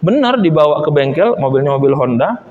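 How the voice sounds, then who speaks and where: A man preaching as an ustadz, telling lively stories from the pulpit and acting out the people in them. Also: fairly high pitch, a little fast, highs cut off. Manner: animated storyteller who acts out quoted voices. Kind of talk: sermon with storytelling. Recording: echoey hall with long reverb.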